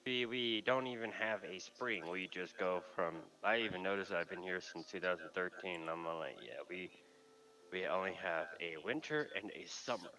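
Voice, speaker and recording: A man from Southern California in casual chat with friends, excitable, quick to laugh and swearing freely. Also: sits low, a little hiss or hum, rough recording. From United States, raised in Southern California.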